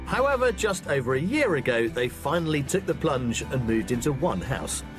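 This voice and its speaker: A man's voice: medium pitch, big pitch swings, moderate pace, over music. A man presenting a TV property show, delivering scripted narration in an upbeat way.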